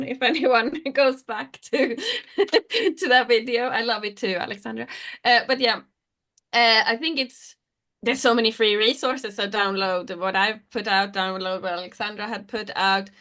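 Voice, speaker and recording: A woman's voice: a little high, bright, forceful tone. A woman speaking as a designer on a live online panel, answering in a loose, chatty way that trails off between thoughts. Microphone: video call.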